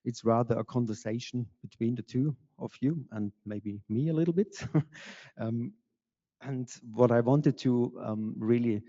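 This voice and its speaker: A man introducing a lecture as organizer and moderator, talking haltingly with many fillers. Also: medium pitch, mellow. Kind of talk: hesitant spoken introduction. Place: lecture hall. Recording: lo-fi with long hall reverb.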